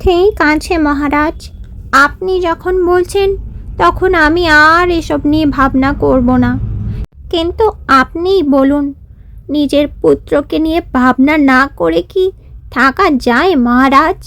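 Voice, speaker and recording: A woman's voice: high-pitched, a little slow, fairly bright tone. A woman voicing an anxious, doting queen mother in a cartoon fairy tale, dramatic and emphatic. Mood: anxious, tender.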